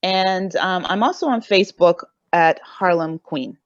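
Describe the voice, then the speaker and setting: A woman speaking as a panelist and audio drama creator, reflective and halting as she searches for words in an unscripted discussion. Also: lowish voice, no room sound, lo-fi sound.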